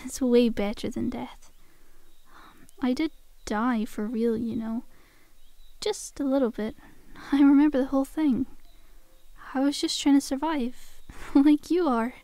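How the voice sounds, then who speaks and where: A woman's voice: high-pitched, fairly even intonation, measured pace, mellow, dry recording. A woman playing a cheeky, cajoling undead zombie girl in an ASMR roleplay, with a casual, teasing, conversational delivery. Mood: chatty, persuasive.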